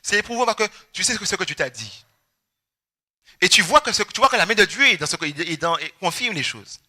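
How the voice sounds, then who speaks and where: A young Guadeloupean man preaching a personal testimony, animated and storytelling, acting out his family's words. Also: sits high, fairly quick. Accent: Guadeloupean French. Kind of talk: testimony sermon.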